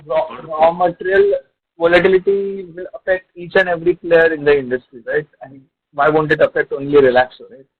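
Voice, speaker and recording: A man's voice: fairly high pitch, steady tone, brisk, slightly rough. A man with an Indian accent questioning company management on an earnings call as an investor, persistent and probing. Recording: tinny narrow phone line.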